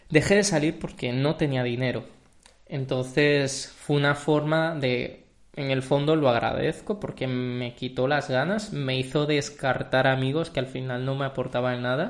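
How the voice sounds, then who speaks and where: Fairly slow speech from a man, medium in pitch, with ordinary pitch variation. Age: 30s. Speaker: podcast host. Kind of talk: casual monologue. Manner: energetic.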